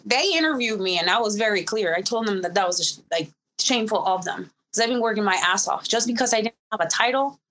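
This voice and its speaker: A woman's voice: mid-range voice, a bit bright. A woman from Mexico, a professional wrestler speaking candidly and emphatically as an interview guest. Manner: candid, emphatic, self-assured. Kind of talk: casual interview.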